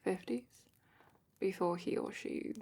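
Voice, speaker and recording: Woman as slow, breathy, whispering dragon instructor. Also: medium pitch, heavily acted. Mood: calm, instructive. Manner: hushed, unhurried, explanatory. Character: female dragon expert, calm, matter-of-fact instructor. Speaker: ASMR roleplay performer. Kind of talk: soft-spoken fantasy ASMR roleplay, partly whispered.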